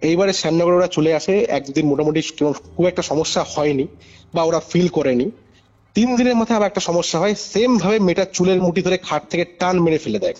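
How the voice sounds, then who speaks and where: The man on this muffled phone call sits high in pitch, talks fast and sounds a bit mellow, with music playing behind him. He recounts a paranormal case excitedly and informally, repeating phrases for emphasis and confirming the listener is following.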